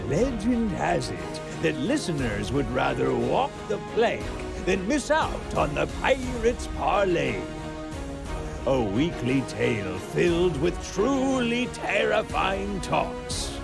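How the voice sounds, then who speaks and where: Gravelly pirate-style intro announcer man. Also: on the high side, very animated, takes it slowly. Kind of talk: theatrical pirate-themed show intro. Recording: intro with clear music behind.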